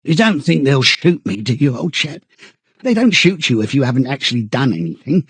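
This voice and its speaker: A man's voice: fairly high pitch, big pitch swings, moderate pace, darkish tone, husky, no room sound, voice pushed up. A man voicing a frightened, servile, middle-aged party loyalist in an audiobook, stammering and eagerly chummy. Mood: anxious, pleading. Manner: stammering, chummy old-fashioned British chap talk, sententious.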